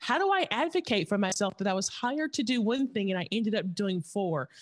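Against a quiet background, a woman speaks at a fairly high pitch. Her pace is fairly quick. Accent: Southern US. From rural Tennessee. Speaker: author and speaker, former political staffer. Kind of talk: interview.

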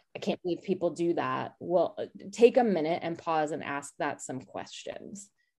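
At a moderate pace, a woman with an American accent talks at a fairly low pitch with a dark, mellow tone, vocal fry, ordinary pitch variation and big swings in loudness. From New York. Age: 30s. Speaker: writer and former librarian. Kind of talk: interview conversation.

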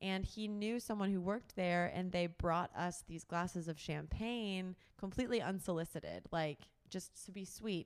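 A woman with an American accent and an unremarkable speaking voice talks at a moderate pace with a medium pitch and ordinary pitch variation. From Middle Tennessee, US South. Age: 20s. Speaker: content creator. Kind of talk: casual interview chat. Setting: in-person studio recording.

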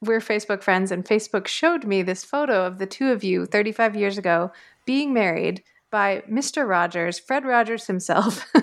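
A woman speaks at a moderate pace with medium pitch, ordinary pitch variation and a normal speaking voice. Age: 30s. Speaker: podcast host and magazine editor. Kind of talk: interview.

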